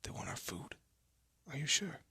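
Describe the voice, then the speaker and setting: A man playing a haughty but secretly soft young elf prince in a scripted roleplay audio drama, with a pompous, formal manner and a breathy, often hushed voice. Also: moderate pace, no room sound. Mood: dismayed, grave. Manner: pompous, formal, flustered stammering.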